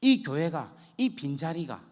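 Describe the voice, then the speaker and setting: A male pastor preaching a testimony sermon, acting out prayers and conversations, dropping to a hush and then rising to loud cries. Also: on the high side, big pitch swings, measured pace, long reverb tail. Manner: dramatic, acts out prayers and dialogue, swings from hushed to loud. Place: church sanctuary.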